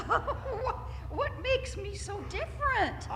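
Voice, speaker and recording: Amid loud background noise and clear echo, a woman puts on a squeaky character voice at a moderate pace. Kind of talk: 1940s radio acting. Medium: stage play. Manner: giggly, coy.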